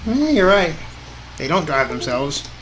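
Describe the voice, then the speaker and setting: A man hosting a gaming video, reading a visual novel aloud in an informal, halting way with casual off-script asides. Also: a little high, big pitch swings, fairly bright tone, poor audio. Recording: clearly audible background noise.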